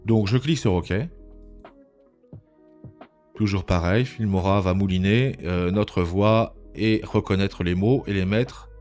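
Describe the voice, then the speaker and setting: Male tutorial presenter, lowish register, methodical and informal with hesitant pauses, music underneath. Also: a little mellow. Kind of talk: informal step-by-step screencast narration. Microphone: voice-over recorded on a microphone at a computer.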